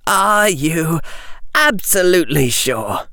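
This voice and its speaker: An earnest, clever boy wizard pleads and reasons in a raised, urgent voice, as a man voices him. His pitch jumps around lively over an unhurried delivery, recorded close and dry. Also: gravelly, no echo, heavily acted. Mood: pleading.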